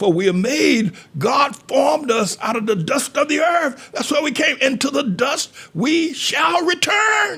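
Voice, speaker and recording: Shouting with an American accent, a man speaks fairly slowly at an extremely high pitch, his voice swinging very widely with hardly any pauses, over noticeable background noise. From North Carolina. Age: 70s. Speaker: pastor. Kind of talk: sermon.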